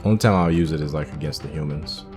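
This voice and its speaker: Speaking at a quick pace in a very deep voice, a gaming channel host casually comments on the game in front of him. He thinks aloud about the story, sorting out his ideas as he plays, with game music quietly underneath.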